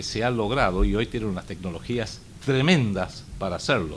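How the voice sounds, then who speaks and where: Vocal fry runs through this man's voice. He swings very widely in pitch at a moderate pace. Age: 60s. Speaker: author and lecturer. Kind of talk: lecture. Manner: halting.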